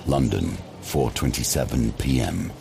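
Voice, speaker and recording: An actor playing a grave, ominous storyteller, narrating a gothic horror audio drama in a measured, dramatic way. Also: male voice, a bass voice, expressive, gravelly, very noisy, exaggerated voice.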